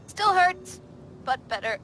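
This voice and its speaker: A woman's voice: very high-pitched, sing-song, slow, pushed and bright, slight background noise. A woman improvising casual in-character talk as a player in a tabletop role-playing game.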